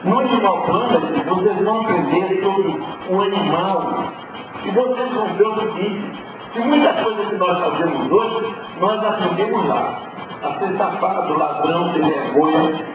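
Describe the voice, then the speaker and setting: A provocative male lecturer with a fairly high voice, pressing his students with emphatic rhetorical questions. He is heard from far off in a big hall with a long, heavy echo, through a thin, phone-like recording with loud ambience behind him. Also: animated, measured pace, background noise. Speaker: teacher. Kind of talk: spiritual lecture to a class.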